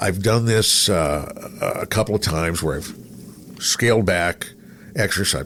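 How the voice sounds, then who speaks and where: Noticeable background noise sits behind a man with an American accent who speaks with lively intonation. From East Texas. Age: 60s. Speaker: radio personality. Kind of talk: casual chat.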